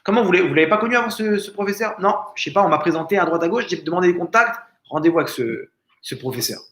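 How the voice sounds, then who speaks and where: Man, rabbi, lively storytelling lesson, higher voice, echoey room. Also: fast talker. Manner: animated storytelling, acting out quoted speakers. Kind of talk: Torah lesson told as a story. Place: family home.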